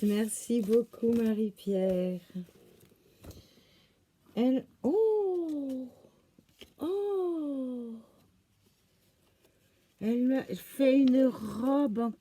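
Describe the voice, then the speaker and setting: A woman hosting a craft channel, gushing with oohs and exclamations as she slowly unpacks crafts in casual chat. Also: fairly high pitch, warm tone. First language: French. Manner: slow, thinking aloud as she unpacks.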